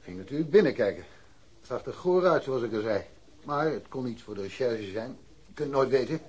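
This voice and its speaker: Offhand police detective, slightly husky, blunt, dismissive, radio crime drama. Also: male voice, mid-range voice, expressive, brisk, a little mellow. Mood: self-assured. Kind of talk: Dutch radio drama acting.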